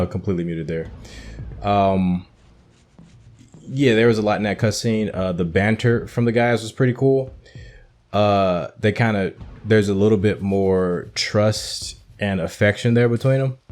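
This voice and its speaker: Very deep-voiced man, casual game commentary. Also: a little mellow. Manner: informal, halting, thinking aloud. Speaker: gaming video host.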